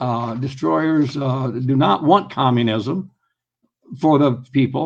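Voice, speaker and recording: A man's medium-pitched voice moves very slowly, its pitch varying in an ordinary way. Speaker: political livestream host. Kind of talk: live stream commentary reading viewer comments. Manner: halting, many repetitions and fillers.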